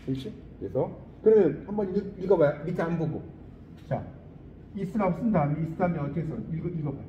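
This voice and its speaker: A man teaching an English class, quizzing his students and reading English phrases slowly and deliberately. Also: fairly high pitch, reverberant, lo-fi sound, background noise. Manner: lively, quizzing students with questions.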